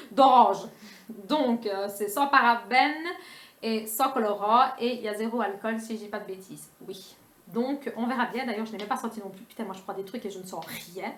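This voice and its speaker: A young woman in a casual beauty haul vlog, talking quickly and chattily with many fillers. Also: medium pitch, a bit bright. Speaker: beauty vlogger. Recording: echoey room.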